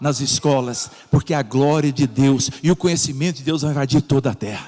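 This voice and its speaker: A fairly quick-paced man with a fairly high-pitched voice. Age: 60s. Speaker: pastor. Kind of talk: sermon. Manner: animated.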